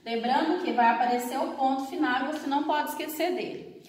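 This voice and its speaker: A woman with a Brazilian Portuguese accent, a primary school teacher, slowly explaining a grammar lesson for children and enunciating each word with care. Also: high voice, a little mellow. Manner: slow, drawn-out, over-enunciated explanation with frequent check-ins. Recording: echoey room, distant from the mic.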